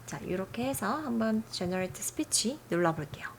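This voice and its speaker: A woman hosting a software tutorial, explaining settings in a friendly, chatty way. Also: mid-range voice, very animated, a little fast, a little hiss or hum. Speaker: tutorial host.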